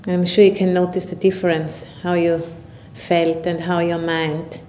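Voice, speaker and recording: A woman guides a meditation in a lowish, very level voice. Her phrases come slowly and haltingly, with long gaps between them. A faint rumble of background noise sits under the recording. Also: level tone, warm tone. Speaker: Buddhist nun leading meditation. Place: retreat session at a monastery or retreat center.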